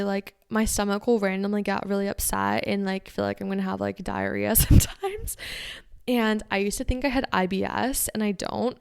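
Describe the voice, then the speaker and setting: Bubbly chatty young woman, gravelly edge. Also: mid-range voice. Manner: bubbly, chatty, laughs often. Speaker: podcast host. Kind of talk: casual chat.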